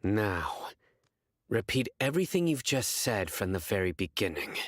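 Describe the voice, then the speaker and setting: A man's voice: very animated, normal speed, slight background noise. A man voicing a stern, intimidating, curt desert warrior in a video game. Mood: menacing. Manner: curt, low-key, commanding.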